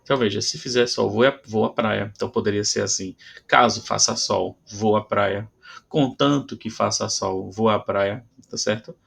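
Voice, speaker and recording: A man's voice: on the low side, steady tone, moderate pace, gravelly, a bit bright, breathy edge. A man with a Brazilian Portuguese accent teaching a grammar lesson, explaining patiently and checking in with frequent "tá?" between examples.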